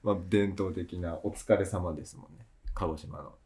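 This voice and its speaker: A man co-hosting a podcast as a house planner, talking in a relaxed, easygoing way, often laughing and asking questions. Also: low-pitched, normal speed, crowd noise. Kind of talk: relaxed casual chat.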